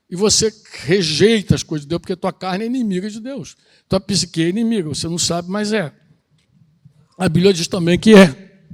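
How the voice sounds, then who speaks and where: High-voiced man preaching casually. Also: fairly bright tone. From Brazil. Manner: conversational, asks the congregation questions. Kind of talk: sermon. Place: outdoor country retreat gathering.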